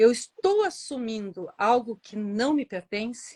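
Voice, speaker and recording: A woman with an unremarkable speaking voice, fairly high in pitch, with lively intonation in a dry, close sound with no echo. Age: 60s. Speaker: mentor and speaker. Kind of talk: casual chat.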